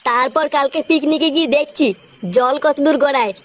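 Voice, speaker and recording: A woman's voice: high voice, fairly even intonation, fairly quick, close to an everyday voice. A woman voicing a hot-tempered, foul-mouthed young man in a cartoon, scolding and cursing. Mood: angry. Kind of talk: cartoon voice acting. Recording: music behind.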